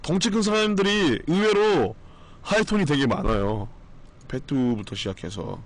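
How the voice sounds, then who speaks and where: A male streamer talks loosely with his viewers in a strained voice that is still recovering. His pitch swings about in a lively way as he rambles, bluntly and with the odd curse. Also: normal speed. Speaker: live streamer. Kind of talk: casual live-stream chat.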